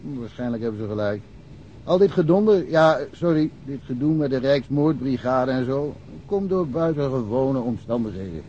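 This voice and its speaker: An actor playing a talkative, folksy middle-aged provincial police inspector in a naturalistic radio drama. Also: male voice, medium pitch, animated, normal speed, dark tone, close to an everyday voice. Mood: matter-of-fact. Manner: talkative, colloquial, self-deprecating. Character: chatty, folksy provincial Swedish police inspector, long-serving local. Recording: muffled, noisy radio drama recording.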